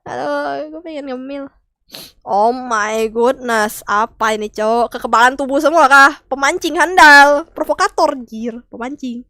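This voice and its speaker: A woman game streamer with a cold and a slightly nasal, stuffy voice, chatting casually and calling out to teammates with loud exclamations and swearing. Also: sits high, unhurried, dry recording, clean studio sound. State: has a cold. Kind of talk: casual gaming stream chat.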